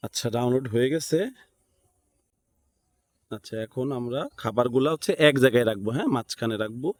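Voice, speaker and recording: Speaking fairly quickly at a medium pitch, a man with a Bangladeshi accent gives an informal screen tutorial one step at a time. As the instructor, he thinks aloud and keeps checking in with his listeners.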